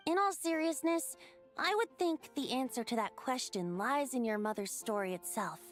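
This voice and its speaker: A bubbly, playful young woman from a game, giggly and light. Her high voice swings up and down a lot. Soft music plays behind. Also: expressive, moderate pace. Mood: thoughtful.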